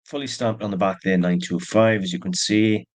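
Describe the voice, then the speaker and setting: A man with a low, deep voice talks casually through a jewelry haul. He is stuffy with allergies and keeps a chatty, plain manner with small asides. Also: fairly even intonation, moderate pace. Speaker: antique jewelry seller. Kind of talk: casual show-and-tell narration.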